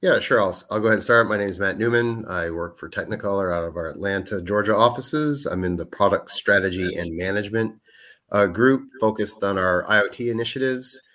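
Low-voiced man explaining with hesitant fillers. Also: fairly quick, a bit bright. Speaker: guest, product manager. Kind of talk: podcast interview.

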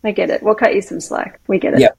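Gravelly husky woman co-host. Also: mid-range voice, fast talker, a little mellow, no room sound, low-quality recording. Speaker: podcast co-host. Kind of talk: casual podcast interview.

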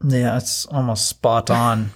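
A man's voice: mid-range voice, little pitch movement, slow. A wisecracking man co-hosting a podcast in casual chat, with wry remarks. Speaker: podcast co-host.

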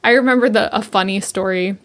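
Storytelling young mom, mid-pitched. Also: female voice, a little fast, fairly bright tone. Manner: conversational, storytelling, frequent fillers. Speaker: podcast co-host. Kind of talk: casual chat.

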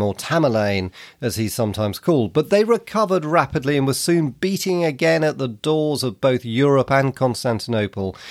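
Croaky man narrating history, dry sound. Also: medium pitch, darkish tone, no room sound. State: croaky from a cold. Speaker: podcast host. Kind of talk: reading a history book aloud.

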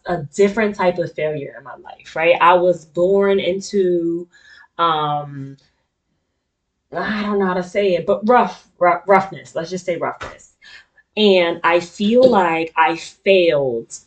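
A woman's voice: medium pitch, poor audio. A middle-aged woman with an African American accent hosts her own talk. She speaks candidly and informally to her audience, with slangy, conversational phrasing and a mid-range voice. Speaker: talk show host. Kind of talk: casual personal monologue to an audience.

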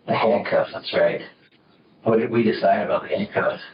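A male police officer gently coaxing a teen, heard on old interrogation tape footage from an interrogation room. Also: lowish voice, normal speed. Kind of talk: interrogation talk. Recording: roomy, distant, dull, noisy interrogation tape.

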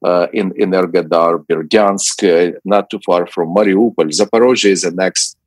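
Man, middle-aged, deep voice, dry close sound, halting interview answers. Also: steady tone, dry recording. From Ukraine. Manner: hesitant, many fillers and restarts. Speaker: ministry president, guest. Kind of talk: radio interview.

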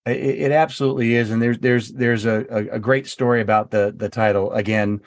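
A man's voice: mid-range voice, dry recording, studio quality. A man, an author, telling personal stories in an interview, stumbling over and repeating words as he goes. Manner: halting, repeats words, animated when quoting himself. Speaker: author guest. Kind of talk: storytelling interview.

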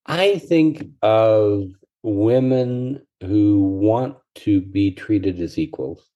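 Husky man, deep low voice, congested with a cold, reflective and measured, dull lo-fi audio. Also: lively intonation, warm tone. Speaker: therapist, podcast guest. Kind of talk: casual chat.

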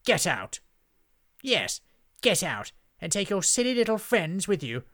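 Haughty witch acted by a man, raised pitch, imperious, pompous drawl, storybook villainess. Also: very animated, a little slow, a bit bright, full character voice. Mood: disdainful. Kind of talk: children's storybook character voice.

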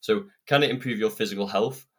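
Sniffly low-voiced man hosting. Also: a little fast, slightly rough. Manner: earnest, rambling and chatty. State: slightly croaky and sniffly with a cold. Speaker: podcast host. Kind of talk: solo self-improvement podcast monologue. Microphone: podcast microphone.

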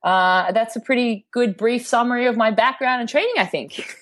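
A woman's voice: a little high, normal speed, a bit bright. A woman with an Australian accent, a podcast guest chatting in an upbeat way with frequent ums and you knows. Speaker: guest, fitness trainer. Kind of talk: casual interview chat.

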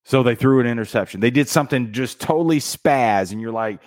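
A man giving casual, energetic motivational commentary on a book, punching out single words and counting beats for effect, with slang like "dude". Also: mid-range voice, brisk, no echo, clean studio sound. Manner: energetic and emphatic, with dramatic counting and punchy one-word beats. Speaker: book summary host.

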